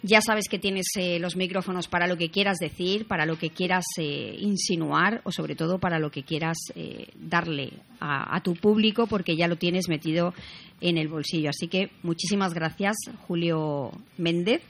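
A woman's voice: on the low side, normal speed, slight background noise. A woman hosting a radio show, effusive and enthusiastic as she praises her guest. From Spain. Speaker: radio host. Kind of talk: casual radio chat.

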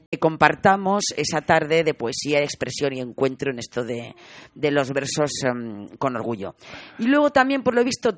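A woman's voice: low voice, dry recording. A woman from co-hosting live radio talk, rambling from one announcement into the next. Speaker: radio show co-host.

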